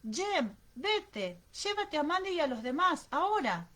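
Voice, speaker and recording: A woman reading an audiobook, voicing a terrified young mother who shouts urgent commands to protect her children. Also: high-pitched, sing-song, a little slow, voice pushed up, heavily acted. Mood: desperate.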